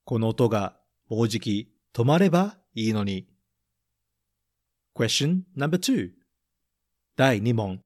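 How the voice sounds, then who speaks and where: A man reading a picture book aloud and running a gentle English vocabulary quiz for children, saying each line in English and then in Japanese. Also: medium pitch, sing-song. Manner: slow, careful delivery, repeating each point in English then Japanese. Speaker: storybook reader and English teacher.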